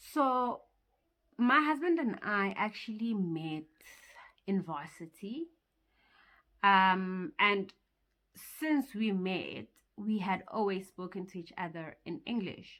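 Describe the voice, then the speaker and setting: Speaking at a very slow pace with long, frequent pauses, a woman with a medium pitch and a bright, sharp tone uses lively intonation. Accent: South African. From South Africa, Pretoria. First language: Tsonga. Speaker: vlogger. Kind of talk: casual vlog talk.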